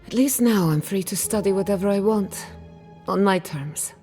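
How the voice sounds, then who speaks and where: An actress playing a proud, sharp-tongued outcast woman scholar in dramatic video game dialogue, articulate, assertive and wry. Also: mid-range voice, normal speed, soft background music, close to an everyday voice. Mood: determined.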